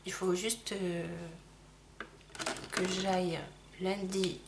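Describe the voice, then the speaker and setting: A middle-aged woman talks her viewers through a makeup tutorial in a relaxed, chatty way. She keeps apologizing for small slips, and faint clicks and handling noises come from behind her. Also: lowish voice, extremely slow, background noise. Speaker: makeup vlogger. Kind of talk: casual makeup tutorial chat.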